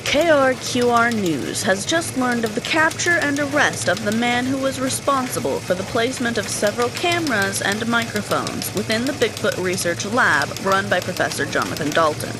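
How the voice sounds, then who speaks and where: Earnest newswoman over loud music, played by an actress. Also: fairly high pitch, lively intonation, moderate pace, few pauses, close to an everyday voice. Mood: earnest, urgent. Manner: formal, emphatic announcing. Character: earnest female TV or radio news reporter. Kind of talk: scripted breaking news report, audio drama.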